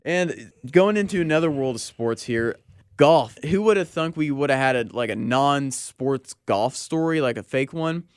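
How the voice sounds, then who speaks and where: A man's voice: medium pitch, expressive, moderate pace, clean tone, no echo. A young man with an American accent talks sports on the radio. He chats loosely and uses plenty of slang. His voice is recorded very dry, with hardly any room sound. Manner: slangy, conversational. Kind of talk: casual sports talk radio chat.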